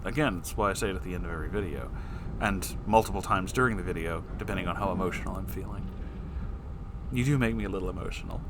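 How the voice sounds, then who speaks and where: A man's voice: deep voice, fast talker, noisy background. A man hosting a casual, rambling advice chat for his audience, speaking in a playful, affectionate, self-deprecating way. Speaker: YouTube host answering listener questions. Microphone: off-camera voice recording at a desk.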